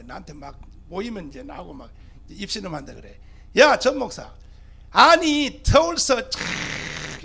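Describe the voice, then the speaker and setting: A man's voice: sits high, gravelly, fairly bright tone, slightly rough. A man, a pastor giving a fiery rally speech, pressing the crowd with rhetorical questions. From Gyeongsang region, Korea.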